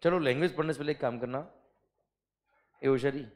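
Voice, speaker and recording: A man with an Indian accent lecturing students in a classroom, mixing Hindi and English. He reads legal text slowly word by word and keeps asking the class whether it is clear. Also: medium pitch. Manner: calls students "beta" and "sir". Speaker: GST teacher.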